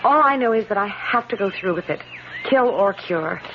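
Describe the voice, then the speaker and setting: An actress playing an earnest, anxious disabled young woman in a radio drama, speaking haltingly with nervous repetitions. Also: medium pitch, expressive, natural voice. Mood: nervous, evasive. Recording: dull, noisy vintage radio drama recording.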